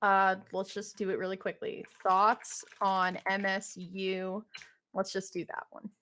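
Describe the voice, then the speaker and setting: A woman's voice: mid-range voice, flat delivery, unhurried, fairly bright tone. A young woman hosting a live esports stream, upbeat and full of fillers, interviewing players.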